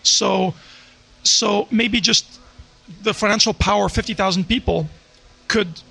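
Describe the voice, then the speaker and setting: A man in a roundtable discussion, talking in a halting way with many restarts. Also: high voice, gravelly, sharp tone, slightly rough, low-quality recording. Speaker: roundtable participant.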